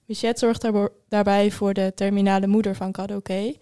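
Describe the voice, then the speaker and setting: A woman's voice: medium pitch, little pitch movement, moderate pace, dark tone, clean tone. A woman host summarizing a novel in a matter-of-fact way. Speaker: podcast host. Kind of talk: reading a book summary.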